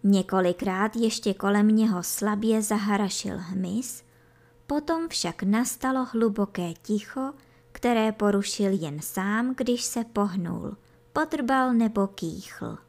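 A woman storyteller reading a children's book aloud in a calm, measured way. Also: medium pitch.

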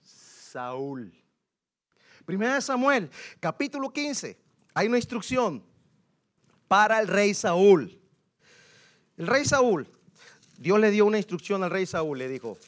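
High, lively preacher man. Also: measured pace, pauses often. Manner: animated, tags phrases with questions to the congregation; laughs between points. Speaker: pastor. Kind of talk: sermon.

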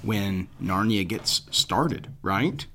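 A man hosting a podcast, talking casually and haltingly, with frequent pauses as he recommends books. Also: on the low side, pushed and bright, a little hiss or hum. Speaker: podcast host.

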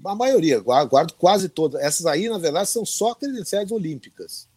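Lively high-voiced southern man. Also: normal speed. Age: middle-aged. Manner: animated anecdotal storyteller who acts out quoted voices. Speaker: veteran sports reporter, guest. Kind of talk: casual storytelling interview.

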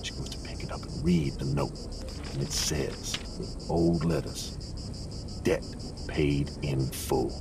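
A man's voice: very deep voice, steady tone, takes it slowly, vocal fry, heavily acted. A man playing a folksy storyteller with a Southern US accent, spinning spooky family tales in an audio drama. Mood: ominous storytelling. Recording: noisy, with outdoor-like ambience.

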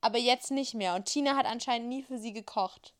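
A woman's voice: a little high, fairly quick. A woman co-hosting a casual podcast, playfully reading out a story game and laughing often. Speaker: podcast co-host.

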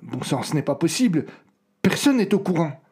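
An actor playing a weary, skeptical amnesiac man in an audio drama, polite and resigned in manner, with a slightly breathy voice. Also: on the high side, very animated, normal speed, darkish tone, exaggerated voice. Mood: astonished.

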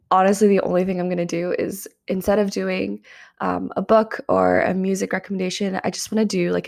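A young woman hosts her podcast solo, chatting casually and filling pauses with ums. Her mid-pitched voice carries a steady vocal fry and sounds slightly strained. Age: young adult. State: slightly strained voice after karaoke. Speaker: podcast host.

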